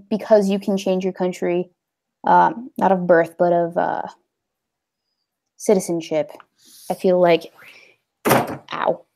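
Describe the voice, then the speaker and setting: A woman's voice: medium pitch, vocal fry, warm tone. A young woman hosting a casual livestream, talking in a rambling, hesitant way with many fillers. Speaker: livestream host.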